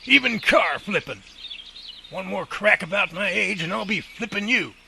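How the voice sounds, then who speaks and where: An actor playing a feisty, folksy older professor with a blustery, sharp tongue in an audio drama. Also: male voice, high-pitched, animated, moderate pace, creaky, heavily acted. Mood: indignant. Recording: noisy outdoor ambience with birds.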